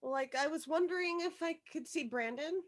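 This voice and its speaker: A woman's voice: high-pitched, moderate pace, natural voice. A woman playing an earnest, anxious young schoolgirl in a script read, speaking hesitantly and politely. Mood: nervous, polite. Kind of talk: virtual table read of a film script.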